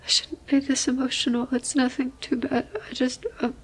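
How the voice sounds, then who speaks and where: A woman's voice: high-pitched, level tone, moderate pace, breathy edge, poor audio. A woman voicing a timid, deferential young servant who speaks hesitantly and very politely. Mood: tearful.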